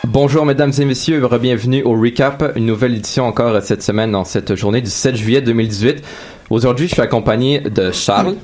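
A young man hosting a radio news recap show and introducing his co-hosts briskly. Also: mid-range voice, a little mellow, faint music behind.

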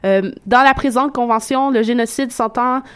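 A woman's voice: a little high, normal speed, clear, resonant tone. A woman giving a radio segment, explaining facts step by step in a conversational way. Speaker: radio columnist.

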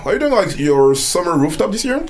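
A man's voice: high-pitched, big pitch swings, fairly quick, darkish tone, slight background noise. A man from Cameroon hosting a casual podcast chat, talking loosely with many fillers and restarts. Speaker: podcast host.

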